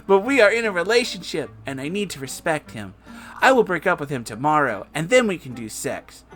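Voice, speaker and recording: A woman's voice: sits low, very animated, a little fast, faint music behind. A woman voicing an eager, polite young female cartoon rabbit in a storybook reading, agreeable and matter-of-fact.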